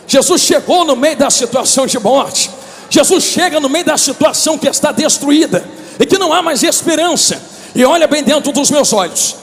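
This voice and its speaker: High-voiced Brazilian preacher in a big hall. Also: male voice. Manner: impassioned preaching, often shouting. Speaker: pastor. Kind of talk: conference sermon. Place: large convention hall. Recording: long reverb of a big hall.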